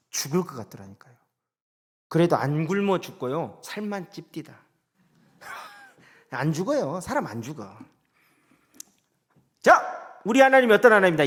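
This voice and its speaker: High, lively-voiced male pastor preaching. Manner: dramatic, swings from loud preaching to soft asides. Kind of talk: sermon.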